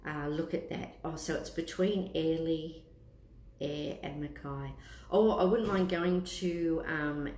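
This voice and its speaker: Answering live-stream viewers in a casual chat, this Australian tea room host in her fifties, who reads palms and tea leaves as a psychic, rambles and hesitates as she thinks aloud. Her voice is low-pitched and a little mellow. Roomy echo and clear background noise are audible in the recording.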